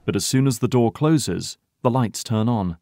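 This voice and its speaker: A man's voice: mid-range voice, moderate pace, background noise. A man giving dramatic scripted narration for an audio drama.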